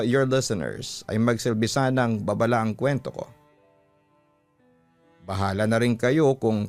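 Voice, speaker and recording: Filipino man narrating a story over music. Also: mid-range voice. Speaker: radio host reading a listener's letter. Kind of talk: dramatic first-person story narration.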